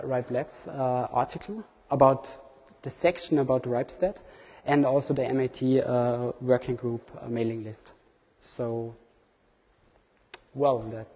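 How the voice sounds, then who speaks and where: A man in his thirties, not a native English speaker, giving a hesitant demo talk with many fillers in a large conference hall. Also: mid-range voice. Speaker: conference presenter. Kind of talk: live product demo talk. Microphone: room recording from far camera. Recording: tinny, reverberant hall from far off.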